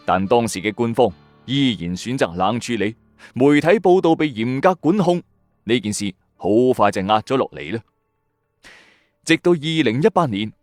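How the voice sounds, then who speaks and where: Animated Hong Kong Cantonese male mystery narrator. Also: mid-range voice, dry recording. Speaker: storytelling host of a late-night mystery show. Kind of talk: dramatic scripted documentary narration.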